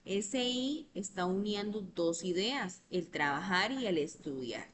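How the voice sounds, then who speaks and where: A woman's voice: mid-range voice, expressive, slow, noisy background. A woman, patiently explaining English grammar in an online tutoring lesson over a computer mic, often checking in with "¿verdad?".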